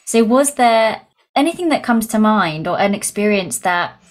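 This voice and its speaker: Woman asking interview questions, mid pitch voice, lots of mm-hmms. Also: expressive, normal speed. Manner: attentive, encouraging listener.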